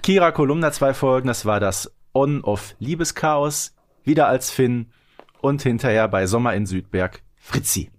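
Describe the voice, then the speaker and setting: A man's voice: mid-range voice, moderate pace. A middle-aged man chatting casually on a podcast, explaining things in a conversational way with short tag questions. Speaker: entertainer, podcast guest.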